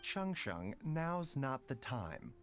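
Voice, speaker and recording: An actor playing a gentle, composed male doctor in a video game, speaking politely and formally. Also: medium pitch, sing-song, takes it slowly, dry recording. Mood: courteous, composed.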